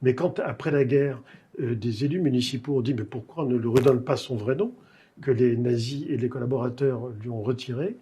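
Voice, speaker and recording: A man hosting a literary interview, asking measured, digressive questions with frequent hesitations. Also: mid-range voice, warm tone, slight background noise. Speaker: literary talk show host. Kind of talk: cultured interview conversation.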